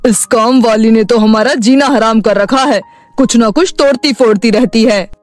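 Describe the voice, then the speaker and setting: A woman's voice: fairly high pitch, moderate pace, faint music behind, lightly acted. A woman voicing a callous, angry, scheming husband in a cartoon story, cold and menacing. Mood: irritated. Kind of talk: animated moral story dialogue.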